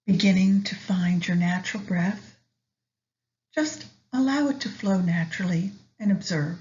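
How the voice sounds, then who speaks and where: A woman leading a guided meditation in a soft, soothing manner with long pauses between phrases. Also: fairly low pitch. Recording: slightly dull lo-fi recording.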